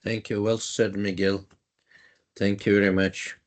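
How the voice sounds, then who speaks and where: A man hosting an online podcast panel, polite and measured as he closes the program. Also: lowish voice, little pitch movement. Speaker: podcast host. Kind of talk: formal program closing. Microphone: video call.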